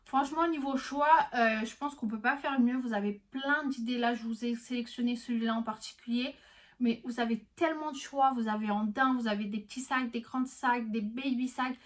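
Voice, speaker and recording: Young woman chatting thru a gift vlog, kinda high voice, gushy, lots of euh and restarts. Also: steady tone, moderate pace. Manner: chatty, enthusiastic, many fillers and restarts. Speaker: vlogger. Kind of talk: casual gift-guide vlog.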